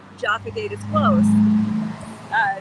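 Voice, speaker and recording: A woman shouting at a medium pitch amid noticeable background noise. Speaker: livestreamer. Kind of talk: live outdoor vlog commentary. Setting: outdoors on a busy street. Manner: loud, yelling over traffic; hesitant, many fillers.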